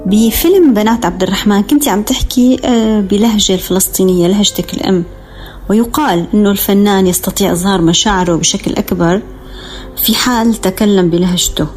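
A woman's voice: medium pitch, fast, a little mellow, soft background music. A woman podcast host, asking carefully phrased, formal interview questions.

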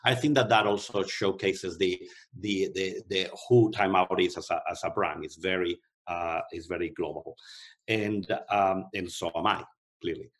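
A man's voice: low voice, fairly even intonation, moderate pace, fairly bright tone, breathy edge. A man from Spain with a Spanish accent, an executive answering interview questions thoughtfully, often restarting with fillers. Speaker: company executive.

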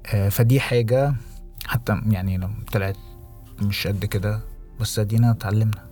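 A young Egyptian man co-hosting a podcast, talking reflectively with halting restarts and English phrases mixed in. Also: fairly low pitch, fairly even intonation, a little mellow, faint music behind. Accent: Egyptian Arabic. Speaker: podcast co-host. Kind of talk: casual podcast conversation.

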